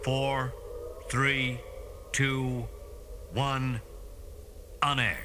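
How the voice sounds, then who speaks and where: A man's voice: medium pitch, flat delivery, extremely slow, background noise. A man voicing a male radio producer giving clipped, businesslike cues.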